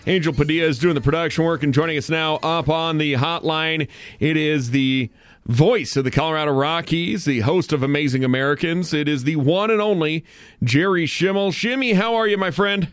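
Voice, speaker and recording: A man hosting a morning radio show from a studio, upbeat and brisk as he leads the conversation. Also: on the high side, a bit bright, no echo. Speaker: radio host.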